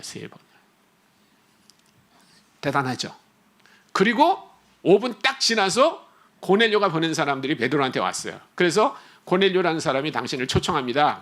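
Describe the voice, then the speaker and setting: A man preaching a sermon as a guest missionary, animated and humorous, with chatty asides to the congregation. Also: high voice.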